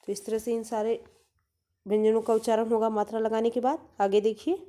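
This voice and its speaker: A woman teacher gives an online lesson, saying syllables slowly one by one for the children to repeat. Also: fairly high pitch, fairly even intonation, dark tone. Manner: slow, drawn-out syllable drills.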